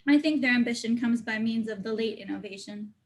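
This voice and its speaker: A woman playing a deferential young male courtier in a dramatic reading of Shakespeare, courteous and measured. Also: fairly high pitch, natural voice. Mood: informative, polite. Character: deferential young courtier, Hamlet's old schoolfriend.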